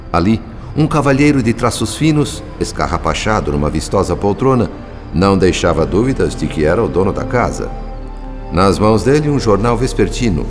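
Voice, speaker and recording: Observant narrator, low voice, literary descriptive style, grave, radio drama, background music. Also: male voice. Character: observant, grave male narrator recounting spirit-world events.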